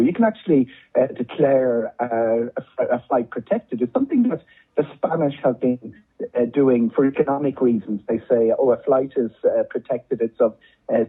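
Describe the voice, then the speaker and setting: Husky Irish man giving expert commentary. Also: mid-range voice, phone-quality sound. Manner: discursive, repeats words for emphasis. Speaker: travel journalist, studio guest.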